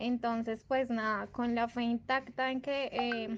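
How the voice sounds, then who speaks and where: A woman speaks in an ordinary speaking voice, fairly high-pitched for a woman, at a fairly slow pace with fairly even intonation. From Colombia. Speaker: prospective international student. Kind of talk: recorded testimony.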